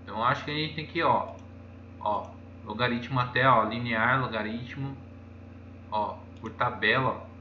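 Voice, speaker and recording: A man's voice: medium pitch, moderate pace, sharp tone. A man with a Brazilian accent chatting casually while walking through charts on screen, rambling and pointing things out over and over. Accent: Brazilian Portuguese. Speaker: YouTuber. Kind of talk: casual screen-share commentary. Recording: echoey room, dull lo-fi sound, faint noise.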